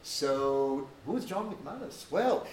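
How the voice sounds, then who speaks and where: Host, male, measured academic intro, slightly high voice, recorded from afar in an echoey room. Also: lively intonation, darkish tone, far from the mic, a little hiss or hum. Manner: measured, academic, dryly joking. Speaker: event host introducing a speaker. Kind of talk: formal spoken introduction. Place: lecture room.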